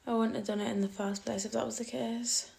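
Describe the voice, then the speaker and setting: A woman's voice: a little high, little pitch movement, brisk, vocal fry, a little mellow. A young woman with a Cumbrian accent, chatting casually on a phone live stream, reading out comments and bluntly brushing off trolls. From Cumbria, England. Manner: blunt, dismissive toward trolls, laughs easily.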